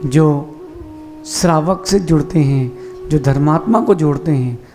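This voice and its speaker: High-voiced man preaching a sermon. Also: music in the background. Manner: rhetorical questions, slow emphatic teaching with examples. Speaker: Jain monk.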